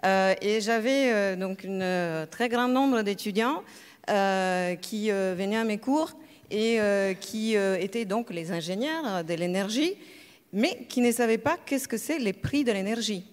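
A woman professor talks on a conference panel with a smooth, clear voice. She hesitates often and fills gaps with filler sounds. Her voice carries through a long, echoing hall reverb. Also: mid-range voice, a little slow. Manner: hesitant, many filler sounds, searching for words. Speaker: energy economics professor, panelist. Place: lecture hall at a school.

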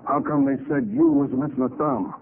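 An actor playing a cocky, slangy gangster killer in a 1940s radio crime drama. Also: male voice, very high voice, very animated, a little fast, gravelly, phone-quality sound, full character voice. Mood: threatening. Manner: tough slangy gangster talk. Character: cocky male gangster killer and swindler holding a gun. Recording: scratchy, thin 1940s radio recording.

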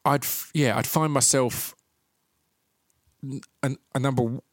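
A man's voice: mid-range voice, steady tone, dry recording. Stuttering male podcast host, dry sound. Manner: halting, repeats sounds at word starts. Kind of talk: casual interview and reflective monologue.

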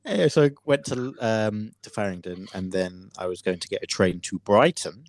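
Guy spinning a dramatic yarn on a podcast, lowish voice, dead dry sound. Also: expressive, moderate pace, no echo. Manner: theatrical storytelling, hesitant with fillers. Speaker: podcast co-host. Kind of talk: casual chat.

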